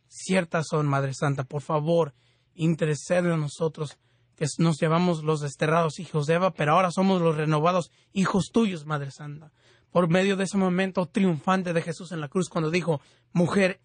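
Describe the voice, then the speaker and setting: A man's voice: a little high, dry recording. A man hosting a Catholic radio show, speaking fervently in prayer and teaching with frequent restarts. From California.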